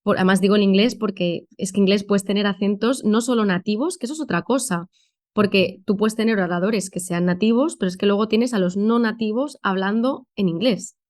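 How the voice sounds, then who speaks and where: A woman from Spain with a Madrid accent, who works as a conference interpreter, gives thoughtful answers in a podcast interview, using many fillers. Her medium-pitched voice is a little mellow, and she talks a little fast.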